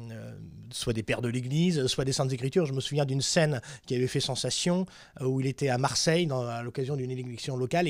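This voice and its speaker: A man's voice: mid-range voice, no echo. A man hosting a panel discussion, talking casually with many hesitations and restarts. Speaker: panel host.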